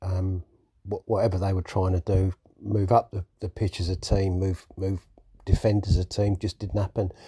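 This man's voice is very deep and low, dark and mellow, somewhat breathy, and monotone with flat intonation, captured dry and close with no echo in a very clean recording over a silent background. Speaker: caller, football fan. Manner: gloomy, rueful.

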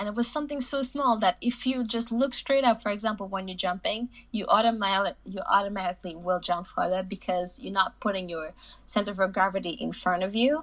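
Speaking fairly quickly in a Portuguese accent, a woman keeps to a medium pitch with ordinary pitch variation. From Portugal. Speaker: triple jumper. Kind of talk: interview. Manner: halting.

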